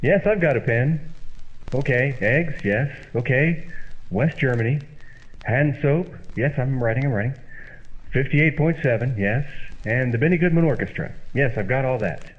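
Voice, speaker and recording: A man acting as a wisecracking straight man and folksy pitchman in an old-time radio comedy, with an emphatic, theatrical delivery. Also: normal speed, close to an everyday voice. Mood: dry, bemused. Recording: dull lo-fi old-radio sound, music behind.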